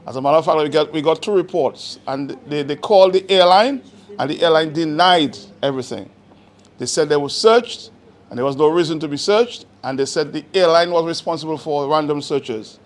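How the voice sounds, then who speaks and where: A male reporter questions an official in unscripted speech. His voice is a little higher than most men's. He is persistent, hedging his claims and rephrasing them. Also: fairly quick. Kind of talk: spontaneous questioning at a press conference.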